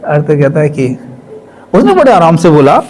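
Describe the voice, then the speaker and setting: A man shares an emotional testimony of a spiritual experience, his voice sitting a little higher than most. He tells it as a story, with dramatic pauses, repeated phrases and swings between hushed and excited delivery. Faint ambient noise sits under the voice. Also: rough recording. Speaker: spiritual community member sharing his experience.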